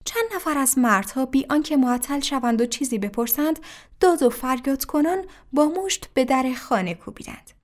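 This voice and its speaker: A woman narrating a religious story in an even, careful reading voice. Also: high voice.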